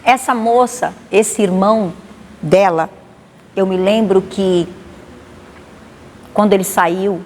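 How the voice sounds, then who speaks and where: A woman pastor with a Bahian accent, giving a lively spoken testimony and acting out the dialogue. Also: mid-range voice, takes it slowly, pauses often. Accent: Bahian Portuguese. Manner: animated, acts out dialogue. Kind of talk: testimony storytelling. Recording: long reverb, faint noise.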